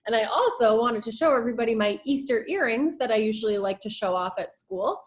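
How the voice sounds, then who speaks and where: High-voiced, expressive woman storyteller. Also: a little fast. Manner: expressive, with asides about the pictures. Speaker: schoolteacher reading to her class. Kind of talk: children's storybook read-aloud.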